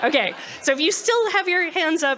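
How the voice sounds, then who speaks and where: A woman speaks against light background noise. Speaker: speaker. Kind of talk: lecture. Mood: humorous, friendly. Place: stage. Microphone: studio mic.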